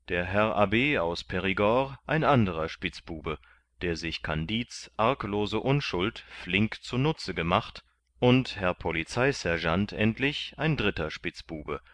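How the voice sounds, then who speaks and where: A man reading a classic novel aloud as narrator, measured and deliberate, voicing the characters. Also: deep voice, fairly bright tone. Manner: slow, measured, puts on voices for characters. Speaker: audiobook narrator. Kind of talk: scripted literary narration.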